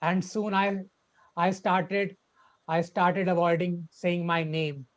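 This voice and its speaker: A young man telling his personal story as a club speech, halting and repeating words with a stutter. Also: sits high, little pitch movement. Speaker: club speaker. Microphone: video call. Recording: dull lo-fi online call audio.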